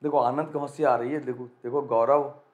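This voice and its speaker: Energetic male exam-prep teacher, echoey room. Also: medium pitch, dull audio. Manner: energetic, repetitive, coaxing students to answer quickly. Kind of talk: live quiz lesson for students.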